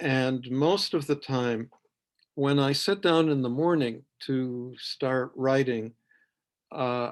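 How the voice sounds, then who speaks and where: With an American accent, a man talks at a medium pitch. His pace is very slow. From US Midwest, Minneapolis area. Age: 60s. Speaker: novelist. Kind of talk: author interview. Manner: halting, with many fillers.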